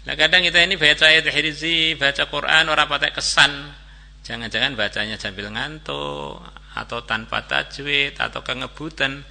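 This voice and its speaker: A male preacher telling a story in a relaxed, colloquial sermon and chanting short Arabic verses along the way. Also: medium pitch, normal speed, gravelly.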